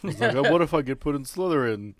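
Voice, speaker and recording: A man's voice: medium pitch, expressive, fast, no room sound. A man casually narrating a tabletop role-playing game as game master.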